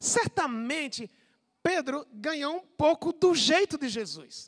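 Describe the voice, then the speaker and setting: With a non-native accent, a man speaks at a fairly slow pace with very wide pitch swings in a dry, close sound with no echo. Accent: foreign accent in Brazil, noticeable. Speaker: pastor. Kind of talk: sermon. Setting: church.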